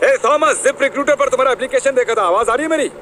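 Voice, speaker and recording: A man dubbing a vlog host, narrating in an excited showman way. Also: very high voice, fast, very noisy. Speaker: host dubbed into Hindi. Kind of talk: energetic vlog narration dub.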